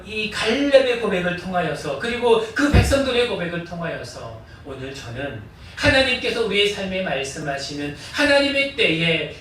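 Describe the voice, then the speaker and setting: A pastor delivers an earnest sermon in a church, repeatedly prompting the congregation to answer back. His voice is high-pitched, bright and forceful, picked up by a distant mic in an echoey hall with a little hiss or hum.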